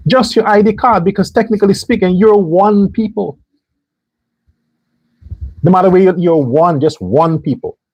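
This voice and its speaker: A man's voice: high-pitched, normal speed, long pauses, slightly rough, no echo, lo-fi sound. A man hosting a political commentary show, delivering an emphatic monologue straight to his viewers. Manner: emphatic, talks straight to viewers, mock voices for others.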